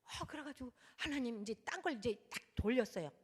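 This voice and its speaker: Woman, pastor, animated sermon storytelling, church hall reverb. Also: on the high side, fast, slightly rough. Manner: animated storytelling with acted prayers. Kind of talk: sermon testimony. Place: church sanctuary.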